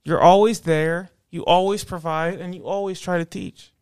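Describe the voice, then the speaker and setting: Smooth-voiced man in casual podcast chat. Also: sits high, fairly even intonation, moderate pace, darkish tone, no room sound, studio quality. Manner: earnest, repetitive, coaxing. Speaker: podcast co-host.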